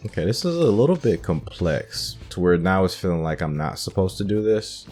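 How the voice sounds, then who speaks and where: Very deep-voiced man musing over a game. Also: expressive, normal speed, a little mellow, faint music behind. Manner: thinks aloud, musing to himself. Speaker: gaming host narrating a playthrough. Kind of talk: casual gameplay commentary.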